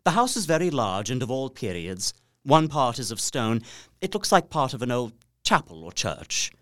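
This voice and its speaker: This actor voices a young solicitor, polite, watchful and uneasy, reading from his journal in a gothic audio drama with precise, earnest, theatrical delivery. The mid-range voice is sing-song and fairly bright at a normal pace, captured in studio quality with no echo. He sounds polite and businesslike here.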